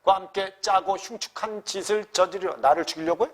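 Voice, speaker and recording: A man's voice: sits high, a little fast. A man voicing a scheming, stern middle-aged stepmother who scolds and accuses in a story read aloud. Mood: accusing.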